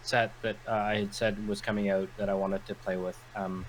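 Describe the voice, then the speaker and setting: Over a low-quality recording, a man speaks in a lowish voice at a moderate pace. As co-host of a laid-back gaming podcast, he wanders from story to story, animatedly performing the quotes.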